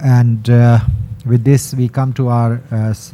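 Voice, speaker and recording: The speaker has a non-native accent and talks at a very slow pace in a monotone, flat intonation. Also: man. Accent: non-native accent, self-noted. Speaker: company executive presenting to investors. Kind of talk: investor presentation Q&A. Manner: hesitant with many filler uhs.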